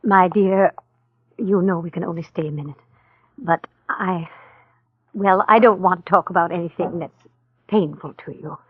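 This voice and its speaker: A gentle, wealthy older mother from a 1940s radio play. Her voice is lowish and breathy, and she coaxes softly and warmly. The sound is thin and phone-like, dry, with no room in it. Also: moderate pace, pauses often, no room sound. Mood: tender. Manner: soft, motherly, coaxing. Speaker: actress in radio drama. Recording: tinny narrow-band 1940s radio recording.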